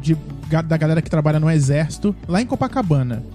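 A speaker in a casual chat, chatty and quick to react. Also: mid-range voice, lively intonation. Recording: faint music underneath.

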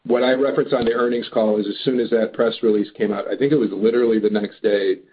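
Low-voiced male executive on a muffled phone line. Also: steady tone, fast. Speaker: company executive. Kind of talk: earnings call answers. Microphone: phone or conference call line.

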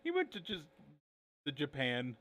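A man co-hosting a casual wrestling podcast, tossing in quick jokes and one-liners. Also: fairly high pitch, huge pitch swings, a bit bright, dry recording. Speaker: podcast co-host. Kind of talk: casual wrestling recap chat.

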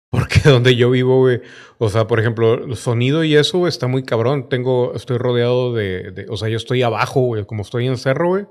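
A man's voice: mid-range voice, a little fast. A Mexican man with a mid-range voice talks casually, as with a close friend. His speech is informal and peppered with coarse slang. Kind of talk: casual chat.

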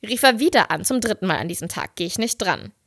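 A young woman co-hosting a casual podcast, telling a story in an animated way. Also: mid-range voice, quick pace, vocal fry, breathy edge. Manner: animated, acting out dialogue, giggly. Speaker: podcast co-host.

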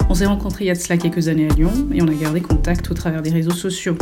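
A woman hosting a podcast interview in a chatty, playful way, slipping English words into her talk. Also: lowish voice. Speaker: podcast host.

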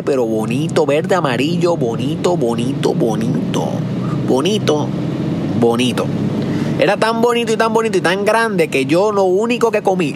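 A man in his twenties from Puerto Rico, with a Puerto Rican accent, telling a lively story and giving spiritual advice, dropping English words into his talk. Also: fairly high pitch, noisy background. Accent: Puerto Rican Spanish. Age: 20s.

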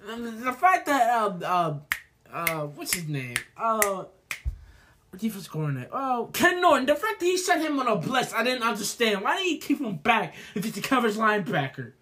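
A man's voice: high-pitched, very animated, moderate pace, bright, forceful tone, slight background noise. A man arguing in a heated sports debate, stammering and repeating himself, saying he is losing his voice.

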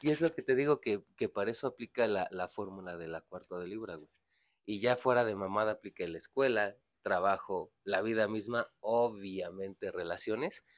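A man's voice: on the low side, moderate pace, dry recording. A young man with a Mexican accent telling a story in casual chat, slangy and profane, acting out the people in it. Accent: Mexican Spanish. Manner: slangy, swears a lot, acts out characters in his story.

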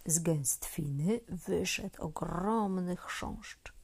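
A woman reading a children's story aloud as a storyteller, gentle and expressive, often dropping to a near whisper. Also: lowish voice, very slow, breathy edge.

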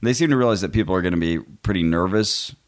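A man with a notably low voice co-hosts a casual podcast. He talks freely, pokes fun at himself and laughs often. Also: fast talker. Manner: chatty, laughs often, self-deprecating. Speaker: podcast co-host.

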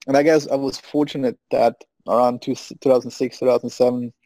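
A man in his thirties from Germany, chatting as a podcast guest in an upbeat, rambling way. His voice is dark and mellow, recorded close and dry. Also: mid-range voice, flat delivery, fairly quick, no room sound, rough recording. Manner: upbeat, rambling, laughs often. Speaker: guest, trader. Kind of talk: casual interview.

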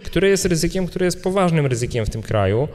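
A man's voice: fairly high pitch, very animated, brisk, darkish tone. A man answering questions informally at a live event, digressing and often adding short tag questions. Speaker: speaker answering audience questions. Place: event hall at a live meetup. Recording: live hall with long reverb.

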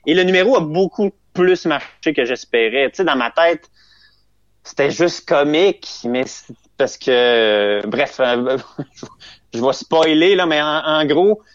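Unhurried and expressive, a young Québécois comedian with a fairly high voice muses his way through a relaxed interview, amused by himself and full of fillers and restarts. No room sound is audible, though the lo-fi recording comes across slightly dull.

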